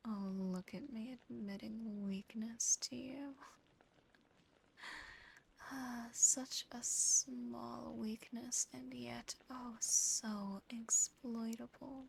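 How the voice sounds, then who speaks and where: A woman's voice: on the high side, steady tone, extremely slow, a little hiss or hum, full character voice, low-quality recording. A woman voicing a seductive, possessive female demon in a whispered ASMR roleplay, close to the microphone, with a teasing, smug delivery. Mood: teasing, menacing. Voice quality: soft, breathy whisper. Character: seductive, possessive female sleep-paralysis demon admiring a human.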